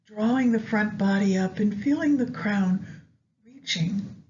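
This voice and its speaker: A woman narrating a guided meditation in a gentle, soothing, unhurried manner with long pauses. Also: mid-range voice. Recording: dull lo-fi audio with background noise.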